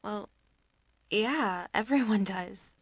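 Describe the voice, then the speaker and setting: A woman playing an earnest, quietly stubborn daughter, a young adult who speaks in short, pointed remarks in an audio drama. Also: medium pitch, slow, husky, no echo. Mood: probing. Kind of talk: naturalistic audio drama acting.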